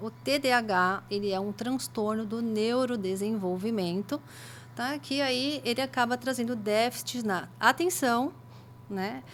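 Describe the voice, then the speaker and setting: At a fairly slow pace, a woman talks with a fairly high pitch. Her pitch swings very widely. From São Paulo state, Brazil (São Bernardo). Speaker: mother speaking about ADHD. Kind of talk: podcast interview.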